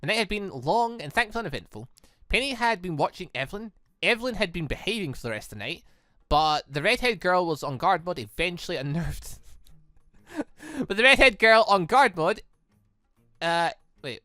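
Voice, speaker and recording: A game streamer giving enthusiastic commentary and reading a visual novel aloud, quick to laugh. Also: medium pitch, very animated, sharp tone, no room sound, clean studio sound. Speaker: video game playthrough host. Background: music.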